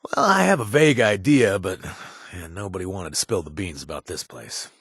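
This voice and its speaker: A man's voice: low-pitched, expressive, moderate pace, gravelly, fairly bright tone, breathy edge, no room sound, clean studio sound, heavily acted. An actor voicing a wisecracking young male ex-chem user from the wasteland, talking with lots of hesitant fillers and self-mocking jokes in scripted video game lines. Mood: wry. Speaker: game companion character.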